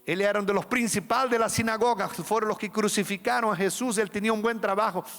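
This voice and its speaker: A male pastor delivering an impassioned sermon with emphatic lines and dramatic pauses, in a reverberant church hall with faint music behind. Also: high voice, fairly even intonation, a bit bright.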